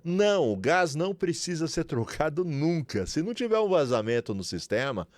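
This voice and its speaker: Here a Brazilian refrigeration teacher with a São Paulo accent talks casually to viewers, promoting as he explains and frequently tossing in "certo?" and "beleza?". He sounds very animated, with a voice on the high side at a moderate pace and no echo.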